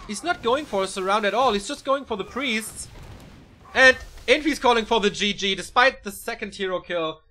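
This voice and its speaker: A man casting a live esports match: fast, excitable play-by-play that climbs at big moments, and relaxed chat with viewers between games. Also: very high voice, slight background noise. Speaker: esports caster. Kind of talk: live video game match commentary.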